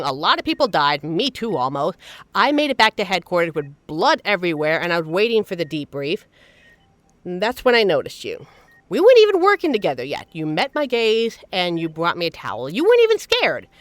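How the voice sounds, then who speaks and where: A woman's voice: mid-range voice, no room sound, natural voice. A woman playing a fiercely protective secret agent in an emotional, emphatic dramatic audio roleplay. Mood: tender, vulnerable. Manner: emotional, scolding, emphatic, swearing. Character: normally suave female secret agent, fiercely protective, angry and anguished. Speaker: voice actor in a scripted audio roleplay.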